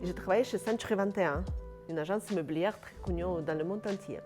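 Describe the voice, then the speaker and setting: A woman's voice: fairly low pitch, quick pace, music in the background. A Russian-born woman speaking as an interview guest, with a Russian accent and simple, direct phrasing as a non-native speaker. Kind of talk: casual interview chat.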